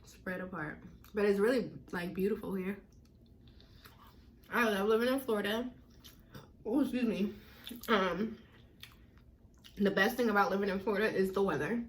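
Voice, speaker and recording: Casting: American woman, mukbang host, casual and chatty, talking between and through bites of food. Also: medium pitch. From northern United States. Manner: chewing while talking, with pauses to eat. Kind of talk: casual chat to viewers while eating.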